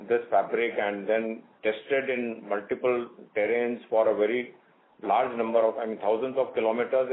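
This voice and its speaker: Casting: male executive, measured and pausing, on a tinny phone line with faint hiss. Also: mid-range voice. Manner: measured, many "uh" pauses. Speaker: company executive. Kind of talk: earnings call answers.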